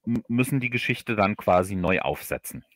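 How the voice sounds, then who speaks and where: A man with a fairly low voice, recorded close and dry. He explains things in casual interview style, halting and circling back to repeat words as he builds his point. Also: lively intonation, dry recording. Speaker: guest audio drama writer. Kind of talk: casual interview chat on a livestream.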